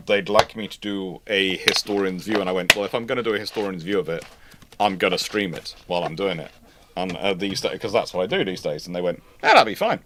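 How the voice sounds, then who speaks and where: A man's voice: lowish voice, a bit bright, a little hiss or hum. A man hosting a casual livestream as a historian, rambling and often repeating or rephrasing his words as he goes. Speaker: livestream host, naval historian. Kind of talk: casual chat, answering viewer questions.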